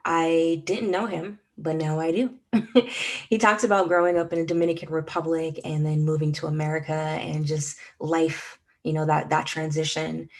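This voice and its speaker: A woman's voice: low voice, vocal fry. A woman hosting an interview podcast, upbeat and friendly, asking questions in a casual way. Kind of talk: scripted intro, then casual interview.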